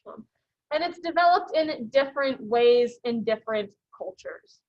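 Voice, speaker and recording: A high-pitched woman in her thirties teaching a college class in a loose, chatty way, filling her sentences with "you know" and "um". The recording sounds dull and lo-fi. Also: animated, measured pace. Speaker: college instructor. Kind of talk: casual classroom lecture.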